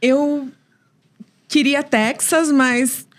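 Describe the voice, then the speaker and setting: A Brazilian woman, a family lawyer and professor, calmly explaining legal rules and answering questions as an interview guest. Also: sits high, very slow. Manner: calm, explanatory, brief answers.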